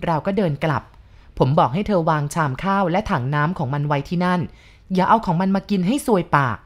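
A woman narrating a first-person ghost story in a steady, even reading voice. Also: on the low side, a little fast.

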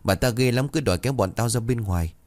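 A man's voice: medium pitch, quick pace, a little mellow, dry recording, pitched above the performer's own voice, natural voice. Man playing a worried schoolgirl friend. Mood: urgent.

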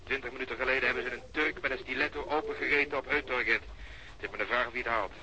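Radio drama cop, gruff, terse, cynical, rapid speech, noisy recording. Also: male voice, medium pitch, steady tone, bright, forceful tone. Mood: grumpy, sardonic. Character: grumpy, cynical male police detective.

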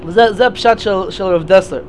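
A man's voice: high-pitched, a little hiss or hum. A man giving a Torah lecture at a memorial gathering, explaining step by step and often restarting his words.

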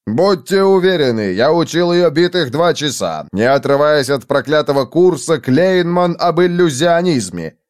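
A man's voice: high-pitched, huge pitch swings, takes it slowly, dry recording, studio quality, voice pushed up, heavily acted. A man voicing a flamboyant, rich male showman who speaks pompously and bellows.

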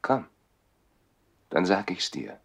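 An actor playing a lonely, yearning baron who lives in trees, speaking in a sighing, seductive manner in a 1960s radio play. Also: male voice, deep voice, big pitch swings, slow pace, creaky, heavily acted.

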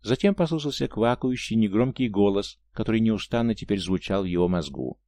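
A man narrating an audiobook in a steady, measured reading. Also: on the low side. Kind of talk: audiobook narration of science fiction.

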